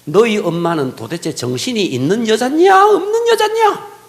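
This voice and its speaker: A man's voice: very high-pitched, sing-song, normal speed, pitched above the performer's own voice, heavily acted. A man voicing a harsh old-fashioned male schoolteacher berating a pupil. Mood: scolding. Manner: scolding, berating.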